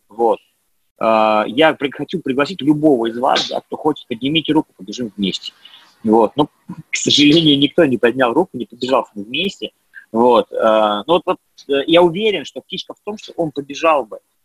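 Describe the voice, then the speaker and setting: Recorded with a dry, close sound and no echo, a man talks at a moderate pace with lively intonation and big swings in loudness. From Kazakhstan. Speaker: dairy industry media director. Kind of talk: interview. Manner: halting.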